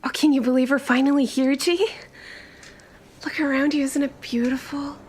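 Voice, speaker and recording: A woman's voice: high-pitched, steady tone, normal speed, a little mellow, slight background noise, close to an everyday voice. A woman playing an eager, chatty young traveler in a tabletop roleplay, with gushing, informal, stop-start chatter. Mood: awed, excited.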